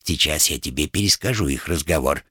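A man's voice: very deep voice, brisk, bright, forceful tone, slightly rough, no room sound, studio quality, voice pushed down, heavily acted. A man voicing a scheming, talkative male ship rat who hisses and bosses others about. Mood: bossy. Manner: hissing, theatrical, bossy.

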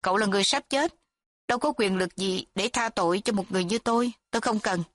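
A condemned young woman speaks with open scorn and no fear, as a woman narrator puts her on. The voice sits at an ordinary middle pitch. The recording is close and dry. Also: fast talker, dry recording, natural voice. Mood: defiant. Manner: scornful, defiant. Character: defiant young woman facing execution.

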